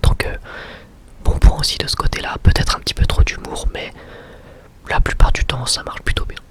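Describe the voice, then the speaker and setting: A man whispering a casual ASMR review in a breathy, unvoiced voice, chatting informally and often rephrasing himself as he goes. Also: moderate pace, a bit bright. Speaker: ASMR video creator and anime reviewer.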